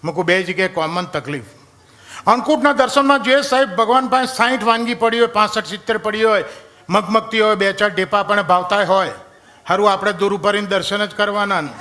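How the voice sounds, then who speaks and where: Animated high-voiced male stand-up comic. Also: brisk. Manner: animated, acts out characters and sings snatches of songs. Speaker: stand-up comedian. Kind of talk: stand-up comedy storytelling.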